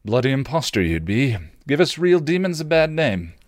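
A man voicing a cocky, sardonic British vampire with slangy, gruffly kind talk in a story reading. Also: medium pitch, very animated, normal speed, no room sound, studio quality, voice pushed up, lightly acted.

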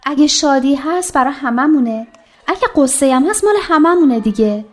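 A woman playing a loud warm-hearted friend. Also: high voice, animated. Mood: earnest. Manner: loud, emphatic. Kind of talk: radio drama acting.

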